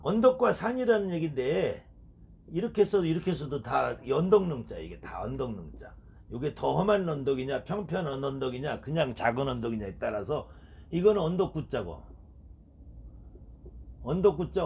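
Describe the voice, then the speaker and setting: A middle-aged man, a shaman, lecturing in a husky voice and firing off rhetorical questions. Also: on the high side, a little mellow.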